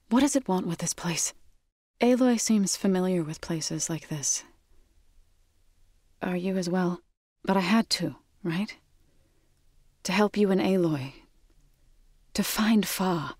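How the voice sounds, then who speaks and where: An actress voicing an earnest young tribal woman warrior in a video game, grave and devout, with measured, careful phrasing. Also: fairly low pitch, lively intonation, darkish tone, no echo, clean studio sound. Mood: wary, questioning, then troubled. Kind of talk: video game character voice acting.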